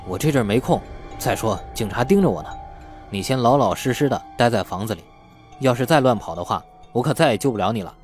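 Guy acting a bossy wary young man in an audiobook, lively pitch, faint music. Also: quick pace, lightly acted. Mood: impatient.

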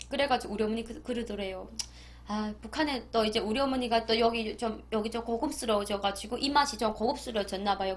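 A young woman from North Korea tells stories to her viewers in an easy, chatty vlog manner. Her voice sits a little high, and she laughs often. She slips into the voices of the people she quotes. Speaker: YouTuber. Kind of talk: casual storytelling vlog.

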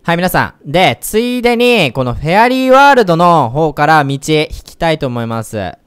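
Man, let's play commentator, excitable, chatty, very animated pitch. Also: moderate pace, a little hiss or hum. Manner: excitable, bursts into loud whoops; chatty, speaks to viewers directly. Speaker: game commentator.

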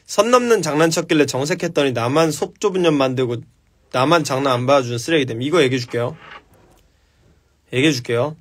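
A man's voice: a little high, fairly quick. A man hosting a casual live stream, answering viewer questions with blunt, profane advice.

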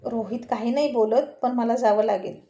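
A woman's voice: a little high, fairly even intonation, normal speed, mellow, echoey room, lo-fi sound, close to an everyday voice. Woman voicing caring young sister. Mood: coaxing. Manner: coaxing.

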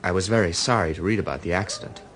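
An actor playing a celebrity's smooth, protective personal assistant in a radio drama, conversational and rather hesitant. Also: male voice, deep voice, racing, a bit bright. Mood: polite, puzzled.

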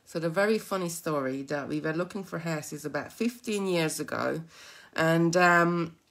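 A middle-aged Hungarian-accented woman with a notably low, deep voice walks viewers through a beading project. She chats freely and drifts into giggly asides as she works at a craft table. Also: moderate pace, vocal fry, fairly bright tone. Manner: chatty, giggly, rambling asides while working. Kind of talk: live beading tutorial.

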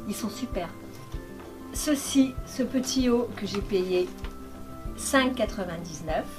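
A woman's voice: medium pitch, animated, slow, over music. A woman vlogger showing her shopping haul in a playful, chatty way, filmed by a cameraman. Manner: chatty and playful, with pet names for viewers. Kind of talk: casual chat to viewers. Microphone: camera microphone, filmed by a cameraman.

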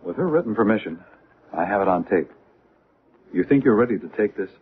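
Actor as eager probing doctor, tinny noisy radio. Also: male voice, on the low side, animated, a little fast, lightly acted. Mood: excited. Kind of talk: radio drama acting.

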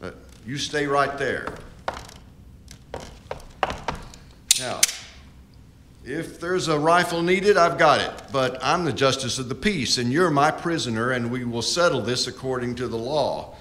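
A man plays a firm frontier justice of the peace in a radio play. His mid-pitched voice is formal and deliberate, with a lawyer's way of putting things. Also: background noise, natural voice. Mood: resolute. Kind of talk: radio drama acting.

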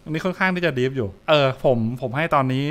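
With a slightly high voice and a fast delivery, a young adult man reacts live and informally to horror comics. He repeats short bits as he thinks aloud, backed by music.

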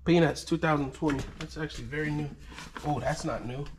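A man in his thirties gives casual unboxing commentary while rummaging through boxes in a storage unit. He talks fairly quickly in a fairly high voice and gets excited at every find, with slight noise in the background.

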